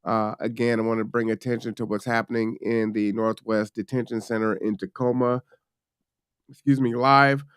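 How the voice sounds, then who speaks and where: A man's voice: mid-range voice, little pitch movement, normal speed, fairly bright tone, clear, resonant tone, dry recording, studio quality. A man hosting a live show, talking loosely and chattily with fillers. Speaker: host.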